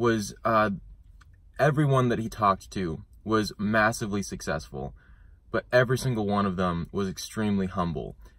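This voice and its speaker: Recorded dry with no echo, a man with a fairly low pitch and a bright, sharp tone speaks at a moderate pace with ordinary pitch variation. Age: 20s. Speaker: client concierge for a coaching program. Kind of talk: direct-to-camera update video. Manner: casual, energetic. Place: car. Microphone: phone near.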